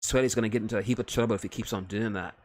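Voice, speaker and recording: A man voicing a gruff, bickering male dwarf with a rough, whiskey-soaked Irish-Scottish brogue. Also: on the low side, steady tone, racing, close to an everyday voice. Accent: Irish-Scottish put-on brogue. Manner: boisterous, bickering.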